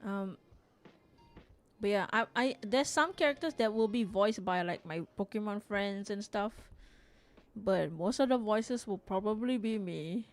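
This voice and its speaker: A woman's voice: mid-range voice, measured pace, soft background music. A woman from Singapore hosting a live drawing stream, chatting casually, reading chat aloud and rambling with frequent restarts. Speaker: livestream artist host.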